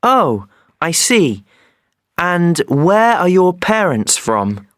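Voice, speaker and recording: Brief: low woman's voice with lively pitch, very slow deliberate textbook delivery, dry sound. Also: no echo. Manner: slow, lilting, clearly articulated speech. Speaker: textbook audio interviewer. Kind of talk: scripted textbook dialogue.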